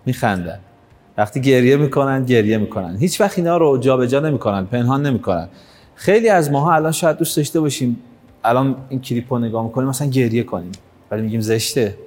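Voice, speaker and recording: A workshop trainer with a medium-pitched, darkish voice addresses an audience in a hall, and the sound carries a big-room quality. He talks to them directly, coaxing and urging them on throughout the live workshop.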